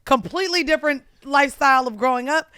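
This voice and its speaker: Podcast co-host woman, somewhat high voice, dry close sound, blunt questions. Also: fast, pushed and bright, no echo. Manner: blunt, probing questions, laughs often. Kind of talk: casual chat.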